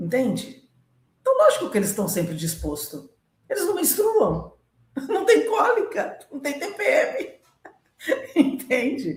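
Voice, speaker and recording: Speaking at a fairly slow pace, a woman leaves long, frequent pauses, her loudness swinging widely amid audible room echo. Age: 60s. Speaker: women's mentor. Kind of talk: casual podcast chat. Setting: live-streamed podcast.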